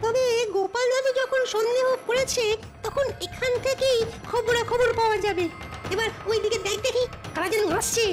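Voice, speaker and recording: A curious young village child, full of questions, as a woman voices them. The voice is extremely high, with music clearly under it. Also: steady tone, normal speed. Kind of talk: cartoon voice acting.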